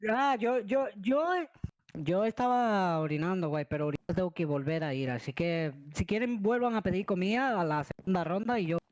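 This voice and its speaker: A man's voice: high-pitched, normal speed, a little mellow, no echo. A man improvising casual game roleplay, theatrical and given to repeating himself. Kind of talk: casual roleplay chat while gaming.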